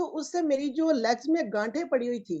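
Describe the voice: Speaking at a moderate pace, a woman has a high pitch, a dark, mellow tone and lively intonation.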